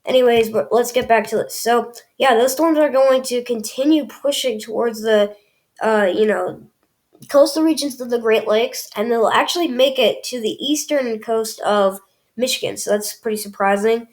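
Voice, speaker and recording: A woman's voice: on the high side, moderate pace, darkish tone. Young woman with a cold, casual forecast host, chatty, fillers and restarts. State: has a cold, clears throat. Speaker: weather channel host.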